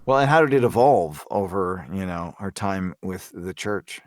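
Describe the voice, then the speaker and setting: A man's voice: low-pitched, animated, moderate pace, no room sound. Man chatting thoughtfully, dry close sound. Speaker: podcast panelist. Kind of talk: casual group discussion of a story.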